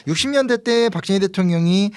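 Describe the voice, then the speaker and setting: A man from Seoul, a history commentator explaining politics in a lecturing way, full of fillers. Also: high voice. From Seoul, South Korea. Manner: fast, lively lecturing with frequent fillers.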